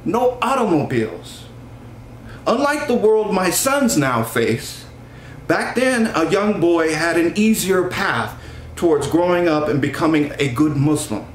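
A middle-aged American man, an author presenting and reading from a novel, speaking in a deliberate manner. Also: on the high side. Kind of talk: introducing and reading aloud an excerpt from a novel. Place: small room at home, indoors. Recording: roomy echo, faint background hum.

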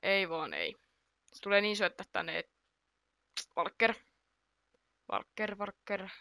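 A woman chatting through her football video game match, excitable, reacting aloud to each play and laughing at her own mistakes. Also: lowish voice, clear, resonant tone, no room sound, clean studio sound. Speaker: gaming YouTuber. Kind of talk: casual gameplay commentary.

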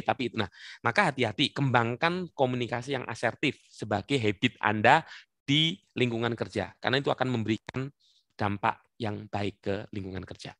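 A man leading an online work-habits workshop, coaxing participants by name in a lively, teasing way over a video call. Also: medium pitch, no room sound, clean studio sound. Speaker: webinar trainer. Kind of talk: interactive online workshop talk.

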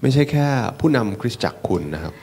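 A man's voice: mid-range voice, big pitch swings, fast talker, darkish tone, slightly rough. A man interpreting a church sermon live. He speaks politely and fills the gaps with hesitations and fillers. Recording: church service.

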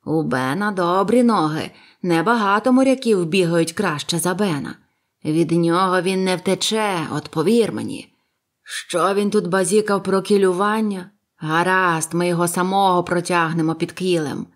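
A loud, bossy one-legged old sea cook who blusters and barks orders, as a woman reader puts him on. The voice sits higher and louder than the reader's usual telling. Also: normal speed, close to an everyday voice. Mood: scheming. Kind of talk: audiobook character voice.

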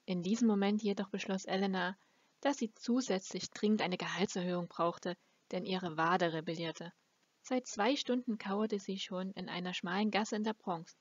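A woman's voice: medium pitch, steady tone, moderate pace, no room sound. A woman reading a fantasy novel aloud as an amateur audiobook narrator. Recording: dull, lo-fi close recording.

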